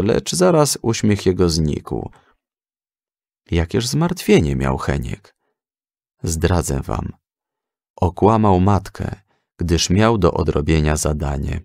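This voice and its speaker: A man narrating a scripted children's story as an expressive storyteller. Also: sits low, creaky, no echo, clean studio sound.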